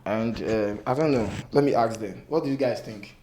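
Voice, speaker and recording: A man instructor with a cracked, sore-throated voice, giving an informal hands-on repair tutorial in a halting, repetitive way. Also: mid-range voice, a little mellow. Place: indoor workshop table. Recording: noticeable background noise, clicks.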